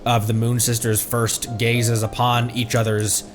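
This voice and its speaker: A man's voice: mid-range voice, completely flat delivery, a little slow, a little hiss or hum. A man giving casual live game commentary as a streamer, with murmured asides that trail off mid-thought. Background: game music.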